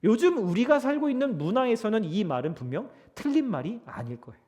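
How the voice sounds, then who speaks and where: A male pastor giving a Sunday sermon in a church sanctuary, preaching emphatically and swinging between loud peaks and soft drops. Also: sits high, very animated, a little fast. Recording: long church hall reverb.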